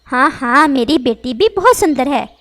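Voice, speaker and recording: A woman doing a sharp, scolding mother bird. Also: high-pitched, animated, moderate pace. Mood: curt. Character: stern scolding mother bird who favors her own daughter.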